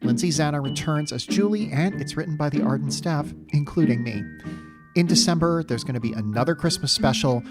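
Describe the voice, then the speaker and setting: A man's voice: on the high side, a little fast. A man reading a scripted promotional announcement as a podcast host. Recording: prominent music behind. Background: music.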